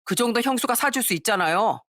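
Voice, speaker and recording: A woman's voice: on the low side, expressive, normal speed, dry recording. Woman reading a petulant jobless man in his forties, wheedling, grumbling, dry sound.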